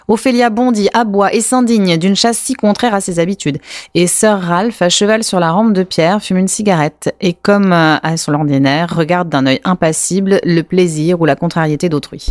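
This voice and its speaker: A woman co-hosting a library radio show, reading a classic novel aloud in a measured way with a few small slips. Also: medium pitch, a little mellow, no echo, clean studio sound. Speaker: co-host reading a novel excerpt.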